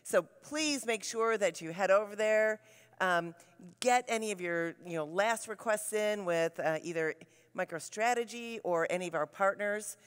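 On stage in a large conference hall, a presenter introduces the next speaker in an upbeat, loose style sprinkled with fillers. The voice is medium-pitched, smooth and a bit bright at a normal speed, and the recording carries long hall reverb.

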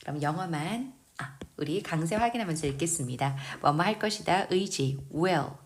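A woman who speaks Korean natively, teaching English vocabulary in a slow, careful lesson and patiently drilling pronunciation word by word. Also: low-pitched, expressive, a little hiss or hum. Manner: patient, precise pronunciation drills with repeated words.

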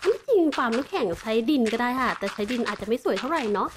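Woman chatting thru her minecraft game, kinda high voice, excited little exclamations. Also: racing, background noise. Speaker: Minecraft gameplay host. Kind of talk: casual gameplay commentary. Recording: background music in the mix.

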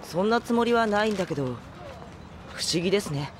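A man playing a calm, inquisitive young man with a mild, polite manner in an audio drama. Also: high voice, fairly quick. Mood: mild, curious. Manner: mild, polite, soft questioning. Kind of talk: anime-style audio drama acting. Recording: clear background ambient noise.

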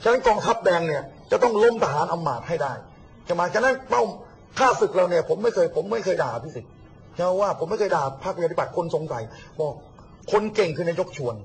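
Fast-talking blunt man, high-ish voice. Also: expressive, gravelly, slightly rough. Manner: rapid, blunt, mocking, acts out quotes. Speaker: guest speaker on politics and the army. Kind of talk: casual political talk.

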